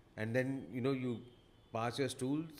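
Fairly even intonation from a man speaking at a medium pitch. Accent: South Indian. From South India. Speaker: actor. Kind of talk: casual chat. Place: studio. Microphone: studio mic.

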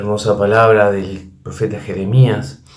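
Over a quiet background, a man with a fairly low pitch speaks very slowly, his pitch varying in an ordinary way. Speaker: church minister. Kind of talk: sermon. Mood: calm, warm, measured.

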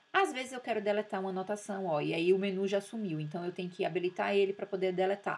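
A woman's voice with ordinary pitch variation. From Brazil. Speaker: YouTuber teaching productivity software. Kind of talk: screen-recorded tutorial. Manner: casual, conversational. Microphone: webcam.

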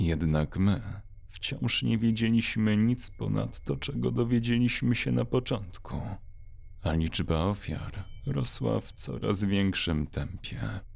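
Very slow in pace, a man with a fairly low pitch makes very wide pitch swings. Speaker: horror story narrator. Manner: hushed, ominous and suspenseful, with dramatic pauses and teasing asides to the listener.

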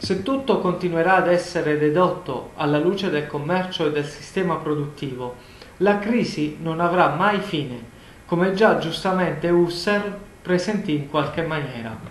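The man's pitch is high, with ordinary pitch variation at a moderate pace. Noticeable background noise and audible room echo are present. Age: 30s. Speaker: philosophy graduate. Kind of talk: prepared lecture. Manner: formal.

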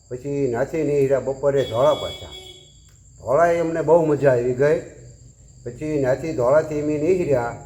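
A man with a fairly high pitch speaks in fairly even intonation over noticeable background noise. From Saurashtra, Gujarat (Palitana taluka). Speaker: pilgrim on foot. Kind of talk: interview answers.

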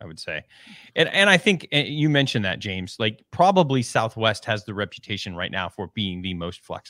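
A man with a bright, sharp tone, very wide pitch swings and big swings in loudness, dry with no echo over a quiet background. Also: fairly quick pace. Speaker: podcast host, business aviation pilot; podcast host. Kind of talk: casual chat. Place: home room. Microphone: studio mic.

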